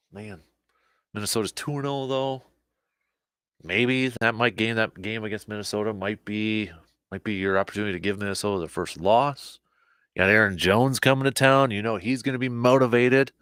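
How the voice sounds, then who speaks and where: A man hosting a casual sports talk show, a little hoarse, animated, often repeating and restarting his words. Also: lowish voice, no room sound. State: slightly hoarse, losing his voice.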